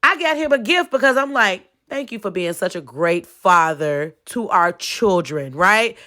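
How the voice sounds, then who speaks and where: A woman's voice: mid-range voice, animated, measured pace, bright, forceful tone. A woman hosting her own podcast, talking casually to listeners with a stuffy nose. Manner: chatty, folksy, addresses listeners as y'all, frequent "okay?". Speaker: podcast host. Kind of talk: casual solo podcast talk.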